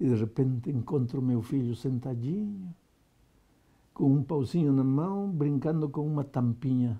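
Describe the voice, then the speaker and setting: The delivery is animated and dramatic, somewhat breathy, at a fairly slow pace. The background is quiet. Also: man, ordinary pitch variation. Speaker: Adventist pastor and preaching teacher; preacher teaching preaching. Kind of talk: preacher storytelling, personal anecdote in a preaching seminar. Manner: animated, emotional, dramatic retelling with vivid pauses; conversational, mixes Spanish and Portuguese. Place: studio. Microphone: lapel.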